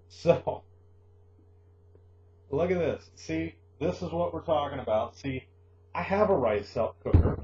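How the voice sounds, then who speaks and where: A middle-aged man presents casual news commentary as a lesson, slowly and with a joking, sarcastic edge. His voice is bright and forward, and he often stops to explain a word. The sound is a slightly dull webcam recording from a small room. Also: mid-range voice, reverberant. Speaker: host of an online English lesson show. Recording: muffled, noisy webcam audio with hum.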